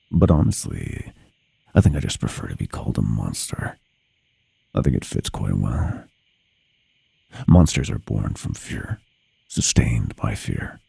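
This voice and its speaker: A man as a gravelly, bottomless-voiced monster under the bed. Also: dark tone, heavily acted. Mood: musing, sinister. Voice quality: very deep, gravelly, often breaking into whispers. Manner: slow, taunting, teasing, savoring each word. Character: centuries-old monster under the bed, sadistic, playful, menacing. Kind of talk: horror ASMR roleplay.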